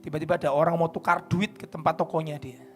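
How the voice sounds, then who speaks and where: A man with a Javanese accent preaching a sermon at a church service. He tells stories, moving between quiet narration and loud, emphatic declarations. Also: a little high, flat delivery, quick pace, soft background music. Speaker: pastor. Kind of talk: sermon with storytelling.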